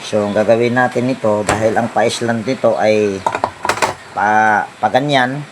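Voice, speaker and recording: Low-voiced man thinking aloud at repair work. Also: fairly even intonation, measured pace, noisy background. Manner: talks to himself while working, thinking aloud. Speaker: appliance repair technician. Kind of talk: casual step-by-step repair tutorial. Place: outdoor home service job with roosters and birds nearby.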